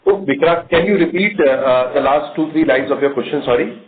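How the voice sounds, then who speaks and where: A man with an Indian accent answering as a company executive on an earnings call, halting often and repeating words. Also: a little high. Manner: halting, frequent stalls and repeats. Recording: tinny phone line, faint noise.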